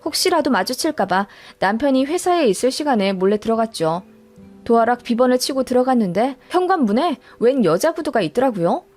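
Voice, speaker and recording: A woman's voice: a little high, lively intonation, brisk, a little mellow, faint music behind. A woman narrating a first-person drama story in a plain, matter-of-fact way.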